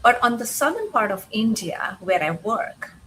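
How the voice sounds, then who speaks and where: A woman interpreting a guest's signed answers in an interview, unhurried, pausing with uh between phrases. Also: on the high side, big pitch swings, fairly bright tone, a little hiss or hum, low-quality recording.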